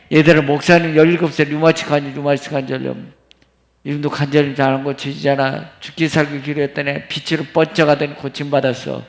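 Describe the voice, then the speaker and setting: A man leading a church family prayer meeting, coaxing and commanding the children to call out louder. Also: fairly high pitch, gravelly. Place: church sanctuary.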